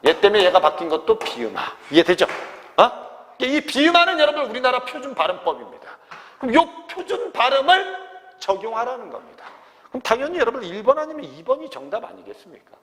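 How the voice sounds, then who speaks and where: A man's voice: high-pitched, big-room sound. A man teaching an exam grammar lecture to students. He keeps checking whether they have understood, and he calls himself "teacher". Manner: constant check-ins asking if students understood; refers to himself as teacher in third person. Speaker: Korean language teacher.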